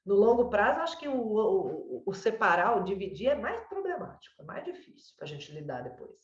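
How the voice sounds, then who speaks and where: A woman's voice: medium pitch, big pitch swings, fairly quick. A woman with a Brazilian Portuguese accent giving a parent advice, explaining patiently and checking in with "né?" and "sabe?". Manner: warm explanatory, lots of "né?" and "sabe?". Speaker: child development consultant. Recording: roomy, distant, dull mic.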